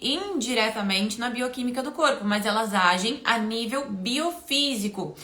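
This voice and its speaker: Over noticeable background noise and audible room echo, a woman speaks fairly slowly at a fairly high pitch, with an animated tone and lively intonation. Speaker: aesthetician and cosmetology educator. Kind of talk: live stream talk to followers. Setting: live online broadcast.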